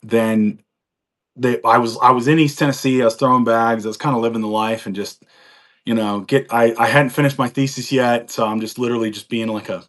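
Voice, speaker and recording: A man's voice: medium pitch, steady tone, brisk. Chatty man in his forties. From United States. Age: 40s. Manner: rambling, chatty storytelling with frequent laughs and fillers. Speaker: guest on a live chat. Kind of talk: casual chat.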